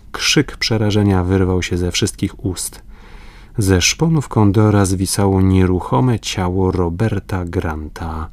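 Low voiced guy reading an adventure audiobook, dry close mic, measured. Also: darkish tone, no echo. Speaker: audiobook narrator. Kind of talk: scripted audiobook narration.

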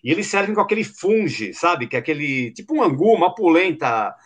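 A man's voice: a little high, sing-song, fairly quick. Guy from são hosting a podcast, rambly and slangy, voice bounces all over. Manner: rambling, lots of fillers and slang. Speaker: podcast host. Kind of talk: casual podcast chat.

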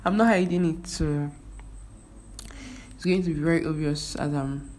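This vlogger is a young Igbo-speaking Nigerian woman with a Nigerian accent, talking casually with frequent fillers and restarts. Her low, darkish voice keeps a steady tone at a moderate pace. There's faint noise in the background.

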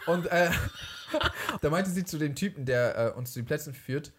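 A young man co-hosting a podcast, telling an anecdote in relaxed, easygoing chat. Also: on the high side, normal speed, a little hiss or hum. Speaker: podcast co-host.

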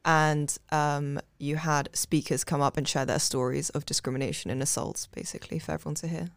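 Low-voiced woman hosting a podcast. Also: fairly even intonation, brisk, gravelly, no echo. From England. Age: young adult. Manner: attentive, frequent soft backchannels. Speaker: podcast host. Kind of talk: casual interview.

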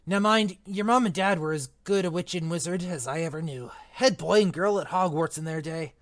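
A man performs a big, gruff giant from a storybook, plain-spoken and full of feeling. The speech is rustic, with dropped consonants, pitched a little high for a man and recorded dry. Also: a little fast, no room sound, natural voice. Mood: uneasy, grave. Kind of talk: audiobook character acting.

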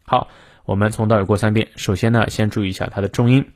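A man hosting a daily English lesson, explaining a quote and modeling each word slowly with repetitions. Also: lowish voice, steady tone, no echo, studio quality. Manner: explains clearly, models words slowly and repeats them. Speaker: English teacher and podcast host.

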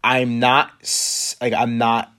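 A man's voice: mid-range voice, completely flat delivery, slow pace, pushed and bright. A young man co-hosting a casual podcast, talking loosely with swearing, laughter and frequent restarts. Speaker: podcast co-host. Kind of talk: casual chat.

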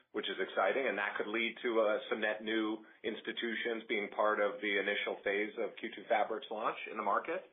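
Male executive, lower-pitched, answering on an earnings call, thin telephone audio. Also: a little hiss or hum. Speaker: company executive. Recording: narrow phone-band conference call.

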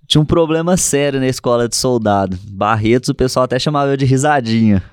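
A male guest in a casual chat, telling stories in a relaxed, rambling way. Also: mid-range voice, fast talker, smooth, dry recording, clean studio sound.

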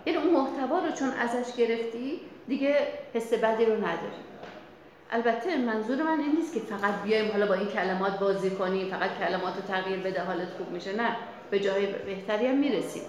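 A woman's voice: mid-range voice, a little hiss or hum. Woman lecturing in an echoey room. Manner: lively, explanatory, chatty with the audience. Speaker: psychologist leading a workshop. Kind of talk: workshop lecture. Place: workshop room.

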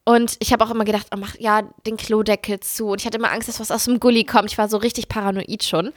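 A woman telling a story in casual chat, animated and dramatic, jumping up into squeals when she relives the fright. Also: medium pitch, quick pace, no echo, clean studio sound.

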